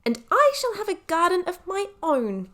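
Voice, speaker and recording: A woman voicing eager, excited young children from a storybook, bubbly and exclaiming. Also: extremely high pitch, moderate pace, voice pushed up, full character voice. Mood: eager, hopeful.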